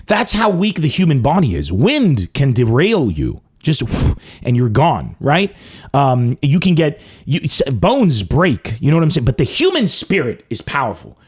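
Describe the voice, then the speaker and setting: A man's voice: unhurried, husky. A young adult man from Lebanon hosting a comedy podcast, delivering a mock-dramatic comic monologue. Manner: animated, mock-dramatic swings in pitch and pace.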